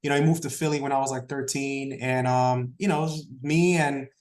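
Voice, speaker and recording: A man, a Spanish speaker, talking as an interview guest in a relaxed, rambling way full of fillers. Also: mid-range voice, fairly quick, reverberant. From Brooklyn, New York. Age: 30s. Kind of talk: casual interview talk.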